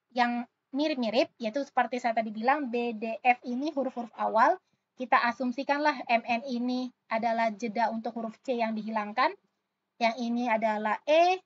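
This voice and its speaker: A woman tutor talks through letter-series puzzles, calling out each letter as she works the answer out. Her voice sits a little high. The recording is dull and lo-fi. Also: fairly bright tone. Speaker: online test-prep tutor.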